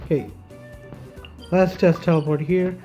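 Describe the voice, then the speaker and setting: Female game streamer, slightly low voice, offhand muttered asides over clear music. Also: fairly even intonation, a little slow, dark tone. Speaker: gaming streamer. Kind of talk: casual gameplay commentary.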